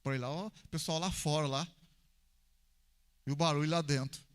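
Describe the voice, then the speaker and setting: High-pitched Brazilian pastor preaching. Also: male voice, moderate pace, clear, resonant tone. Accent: Brazilian Portuguese. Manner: storytelling with acted dialogue, swings between calm and loud. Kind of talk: sermon.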